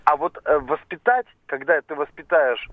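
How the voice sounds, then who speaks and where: Thirties guy calling in, umming a lot, thin dry phone sound, highish voice. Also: expressive, moderate pace, dry recording. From southern Russia. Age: 30s. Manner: hesitant, rambling, many fillers. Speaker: caller. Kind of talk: phone-in call. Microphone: telephone. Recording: tinny dry phone line.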